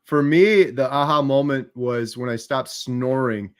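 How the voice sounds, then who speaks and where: A man hosting a livestream, telling stories in an animated, fast-moving way. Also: mid-range voice, clear, resonant tone. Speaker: host. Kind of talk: casual livestream chat.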